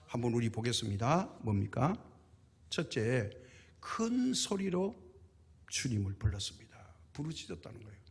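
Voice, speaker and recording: A man's voice: lowish voice, lively intonation, brisk, husky. A male pastor preaching a sermon in a church, emphatic, posing rhetorical questions and answering them himself. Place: church sanctuary. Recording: reverberant church hall.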